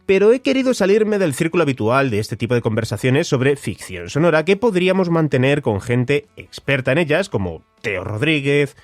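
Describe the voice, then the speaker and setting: A man's voice: a little high, big pitch swings, moderate pace, hardly any pauses, no room sound, soft background music. A man with a Spanish accent hosting a podcast, talking with enthusiastic emphasis. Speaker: podcast host. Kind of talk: scripted podcast intro.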